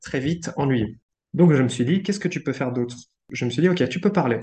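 Somewhat breathy, fairly high-pitched speech from a man, with ordinary pitch variation. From Brittany, France. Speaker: diabolo juggler and dancer. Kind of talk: casual interview.

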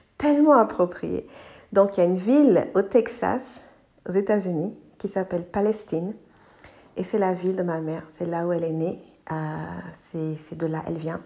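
Speaking with an English accent, a woman talks at a fairly slow pace in a medium pitch and dark, mellow tone, leaving long, frequent pauses. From Côte d'Ivoire (Abidjan), American mother. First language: English (speaking French). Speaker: Quran teacher and podcast host. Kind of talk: religious podcast monologue. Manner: halting, many fillers.

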